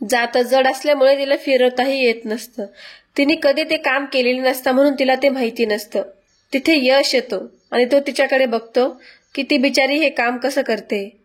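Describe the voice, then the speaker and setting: A woman's voice: high-pitched, steady tone, moderate pace. A woman narrating a family drama episode recap in a sympathetic storytelling voice-over.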